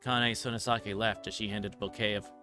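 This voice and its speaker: A man with a fairly low voice reads visual novel narration aloud on a livestream. He occasionally stumbles over his words as he goes. Soft game music plays behind him. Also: level tone, a little fast.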